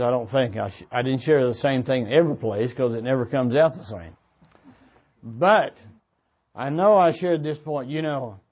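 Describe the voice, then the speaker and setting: Before a church congregation, a preacher earnestly exhorts his listeners in a fairly high voice with a darkish tone. He halts a bit and rephrases lines along the way, and the audio comes across slightly muffled and dull.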